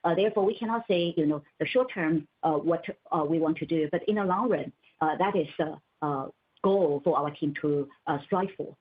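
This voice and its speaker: A woman executive answering analysts on an earnings call, measured and pausing between short phrases. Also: deep voice, slightly rough. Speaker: company executive. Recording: muffled narrow telephone conference line.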